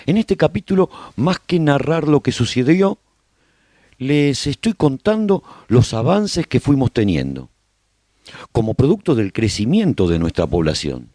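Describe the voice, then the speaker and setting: A man playing a proud, hopeful survivor in a radio drama, narrating his colony's story as a broadcaster in measured phrases. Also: mid-range voice, wildly swooping pitch, dark tone, no echo. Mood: earnest, proud.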